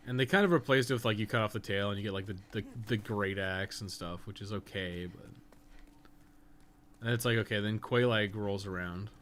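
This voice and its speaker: A man with a fairly deep voice talks through a game on his livestream. He rambles casually in slangy language and swears freely. There is a faint layer of ambient noise behind his voice. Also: fairly quick, a bit bright. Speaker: livestreamer, podcast co-host. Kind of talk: casual gaming stream commentary. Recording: noticeable background noise.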